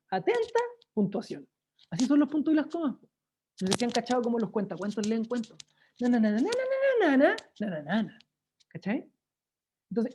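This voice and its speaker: This workshop presenter, a woman with a Chilean accent, leads lively online teaching about speaking, demonstrating exercises and checking in with her audience often. Her warm voice sits on the high side, heard through dull, lo-fi video call audio.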